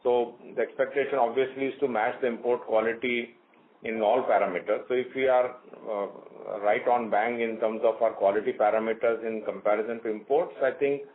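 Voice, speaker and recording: A man, a company executive answering questions on an earnings call, speaking in measured sentences with frequent pauses. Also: mid-range voice, steady tone. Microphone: phone line. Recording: tinny phone line, faint hiss.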